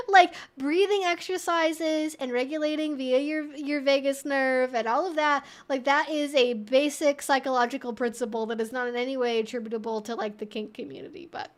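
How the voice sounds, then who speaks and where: A woman hosts a laid-back Q&A livestream, her voice sitting high as she talks with animated emphasis and drops in conversational asides.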